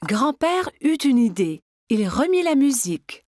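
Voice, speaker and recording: A woman narrating a scripted children's cartoon story in simple, clear phrases. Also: high voice, sing-song, unhurried, darkish tone, slight background noise. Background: background music.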